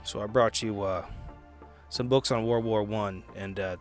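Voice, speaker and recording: An awkward, bookish man as a male player acts him out in a tabletop game. He speaks low and haltingly, bluntly kind and clumsy with feelings. Music plays underneath. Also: fairly even intonation, lightly acted. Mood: sheepish, awkward.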